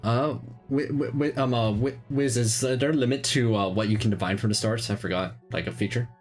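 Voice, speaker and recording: A man's voice: mid-range voice, fairly quick, soft background music. A man running an online tabletop game as dungeon master, talking with many fillers and restarts.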